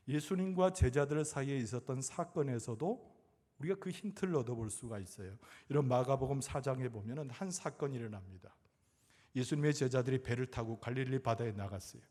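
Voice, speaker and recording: A man preaching a sermon as pastor, reading scripture slowly and raising his voice for the pleas he quotes. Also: mid-range voice, darkish tone. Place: church sanctuary. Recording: church hall reverb.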